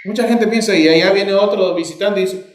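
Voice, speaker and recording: A man with a Peruvian accent preaching a sermon as pastor, lively and acting out little dialogues as he talks. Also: sits high, a little fast. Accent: Peruvian Spanish. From Peru. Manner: animated, acts out dialogues with shifting voices. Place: church sanctuary. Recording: echoey church hall.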